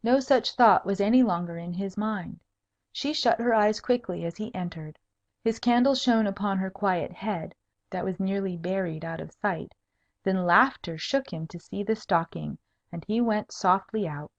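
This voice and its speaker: A woman's voice: medium pitch, normal speed. A woman reading a humorous tale as a scripted audiobook narration. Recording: dull lo-fi audiobook recording.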